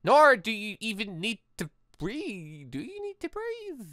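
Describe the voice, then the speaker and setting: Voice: mid-range voice, huge pitch swings, unhurried, fairly bright tone, no room sound, studio quality. A gaming video host giving exclamatory, rambling commentary on a playthrough, often interrupting themselves mid-thought. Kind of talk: playthrough commentary with read-aloud dialogue.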